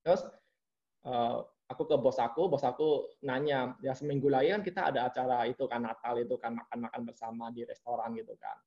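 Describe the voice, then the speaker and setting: Muffled, lo-fi audio of a man with a medium-pitched voice talking a little quickly. He's an interview guest chatting casually, animatedly telling stories and acting out the people in them, including quoted bosses.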